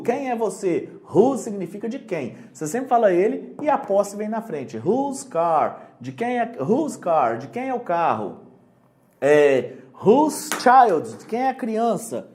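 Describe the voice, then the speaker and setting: Brazilian-accented teacher, casual prep lesson, jokey and patient, pitch swinging widely. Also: a little mellow. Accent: Brazilian Portuguese. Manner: chatty, joking, explains slowly with examples. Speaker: English teacher for exam prep.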